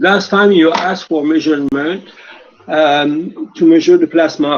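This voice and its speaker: A man speaks with a French accent. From Quebec. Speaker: caller. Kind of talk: question to a teacher. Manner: halting, many fillers.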